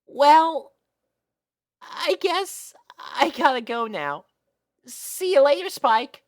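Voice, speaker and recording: A woman voicing a shy, lovestruck young girl pony in a nervous, halting storybook reading. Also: sits high, expressive, darkish tone, pitched above the performer's own voice, heavily acted. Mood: nervous, sweet.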